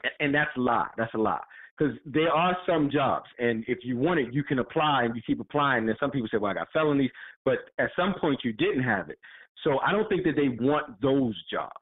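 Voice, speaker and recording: A plain-spoken man giving blunt opinions in a casual back-and-forth. His voice sits at a middle pitch and comes through thin and narrow, like a phone call. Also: brisk. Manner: blunt, plain-spoken, agreeing with short interjections. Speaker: podcast co-host. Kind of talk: casual political discussion. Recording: tinny phone-line sound.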